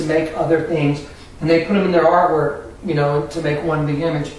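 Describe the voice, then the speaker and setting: Audible echo from the room and noticeable background noise surround a man as he talks. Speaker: conspiracy lecturer. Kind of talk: presentation with visuals.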